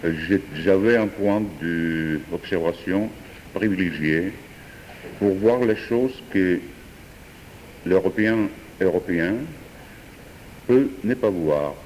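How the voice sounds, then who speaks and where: Slow deep-voiced man. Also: a little mellow, slight background noise. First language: Georgian. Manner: hesitant, many pauses and fillers. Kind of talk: improvised philosophical talk. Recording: distant voice in a reverberant hall.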